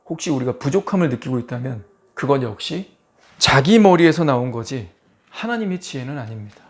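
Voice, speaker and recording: A man in his forties preaching an expository sermon as pastor, lively and full of rhetorical questions to the congregation. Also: medium pitch, brisk. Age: 40s.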